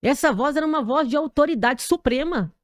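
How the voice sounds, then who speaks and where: Brazilian woman pastor, guest testimony, somewhat high voice, dry studio sound. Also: fairly quick, no room sound. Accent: Brazilian Portuguese. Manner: vivid, animated storytelling with sound effects. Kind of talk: dramatic personal testimony. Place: podcast studio.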